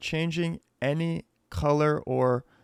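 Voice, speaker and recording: A plain, everyday voice with ordinary pitch variation comes through in a very clean recording with a silent background and a dry, close sound with no echo. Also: man. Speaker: video editing instructor. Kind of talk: tutorial. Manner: casual.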